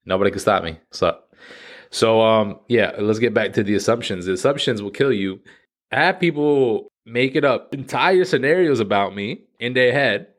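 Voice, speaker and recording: A man in his thirties talking casually and profanely to his audience in an animated, slangy rant. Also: medium pitch, moderate pace. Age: 30s. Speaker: vlogger. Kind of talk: casual monologue to camera.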